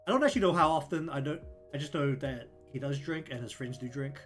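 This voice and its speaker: Quick and on the high side, the voice belongs to a New Zealand-accented streamer and artist chatting loosely on his livestream. He rambles, leaning heavily on "um" and "like," as faint lofi music plays.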